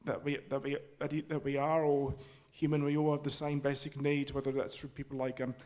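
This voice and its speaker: Halting man speaking up at a forum. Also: medium pitch, monotone, darkish tone. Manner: halting, many restarts and fillers. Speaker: forum audience member. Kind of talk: spontaneous public remarks. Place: community hall.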